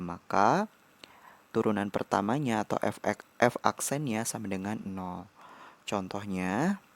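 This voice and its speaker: A man explaining algebra derivatives as a tutor, in a measured lecture with pauses between short phrases. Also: lowish voice. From Indonesia. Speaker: math tutor.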